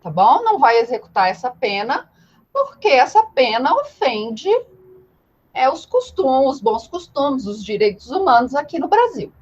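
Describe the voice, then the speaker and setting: A woman's voice: high voice, very animated, measured pace, breathy edge, dull audio. A woman with a Brazilian Portuguese accent giving an informal live law lecture, explaining didactically with rhetorical questions and repetition. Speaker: law teacher.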